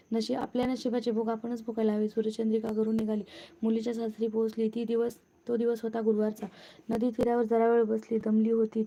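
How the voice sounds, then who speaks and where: Woman reading a devotional tale, flat. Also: a little high. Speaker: storyteller. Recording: muffled lo-fi recording.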